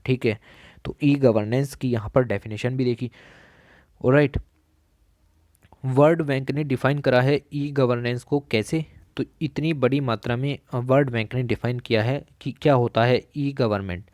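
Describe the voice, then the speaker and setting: A man teaching an exam-prep lesson, explaining a magazine and slowing down to read quoted lines. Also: medium pitch, fairly even intonation, a little mellow, no echo, clean studio sound. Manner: explains in Hindi, switches to slow, deliberate English for quoted lines; frequent "theek hai" and "alright" check-ins with the listener. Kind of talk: recorded lesson reading through a magazine.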